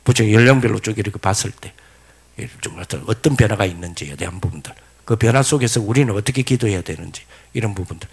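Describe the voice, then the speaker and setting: A man's voice: fairly low pitch, expressive, fast, breathy edge. A middle-aged male pastor delivers a sermon in a lecture style. He tells stories with energy, asks the congregation questions, and slips into quoted voices.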